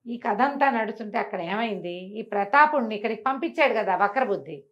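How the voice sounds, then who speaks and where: A woman's voice: mid-range voice, animated, a little fast. Woman storyteller, slightly dull recording. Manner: conversational, with repetition and acted dialogue. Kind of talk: animated oral telling of a bedtime folk tale.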